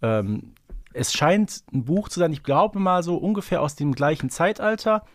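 A man's voice: fairly high pitch, animated, normal speed, no echo, clean studio sound. A man co-hosting a podcast, thinking aloud and explaining in a casual, analytical discussion. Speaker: podcast co-host. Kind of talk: casual analytical discussion of an audio drama series.

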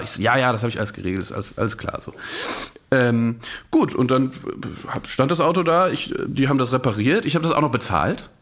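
Fast-talking man telling a rambling anecdote. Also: mid-range voice, a bit bright. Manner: rambling anecdote, frequent "ne?" tags. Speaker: podcast co-host. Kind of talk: casual chat, storytelling.

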